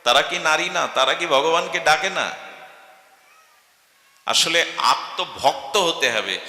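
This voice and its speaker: His voice here is fairly high, pushed and bright, expressive yet slow. The man from Bengal preaches devotionally, dramatizing his stories and asking rhetorical questions. Long reverb fills the echoey hall.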